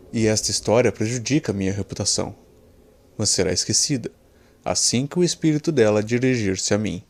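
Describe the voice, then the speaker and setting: A man's voice: lowish voice, a little mellow. A man voicing a cynical, cruel professor and fraudulent medium in an audio horror story, commanding and coldly sinister.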